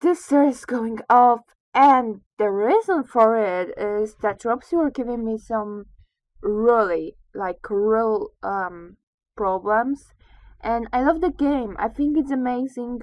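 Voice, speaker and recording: A woman uses lively intonation at a very slow pace, recorded against a quiet background. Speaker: gaming video creator. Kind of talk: casual vlog chat. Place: home room. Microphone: webcam.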